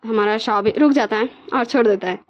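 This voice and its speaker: A woman's voice: a little high, brisk, muffled recording. A woman narrating a fan fiction story casually, often stumbling and repeating words.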